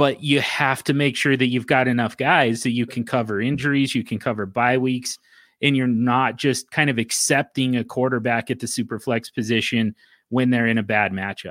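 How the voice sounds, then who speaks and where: A man speaks in an unremarkable speaking voice at a medium pitch, moderate pace and fairly even intonation. The recording is very clean, with a silent background. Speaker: podcast host. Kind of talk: casual banter, fantasy football podcast. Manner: jokey, opinionated.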